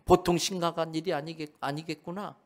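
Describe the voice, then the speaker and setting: A man voicing an anxious male household servant who speaks in a hushed, hurried way. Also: a little high, steady tone, close to an everyday voice. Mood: worried.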